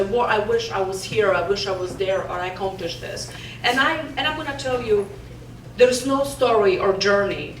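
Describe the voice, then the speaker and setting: Recorded from afar in a reverberant conference hall, this keynote speaker from Poland gives a sincere motivational talk in accented English. Her voice sits in the mid range, there's background noise, and she often starts words over.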